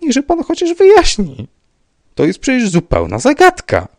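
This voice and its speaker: A man's voice: extremely high pitch, huge pitch swings, unhurried, a little mellow, no room sound, clean studio sound, voice pushed up, heavily acted. A man voicing a nervous, trembling man who pleads and insists in an agitated, shaky way. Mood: indignant.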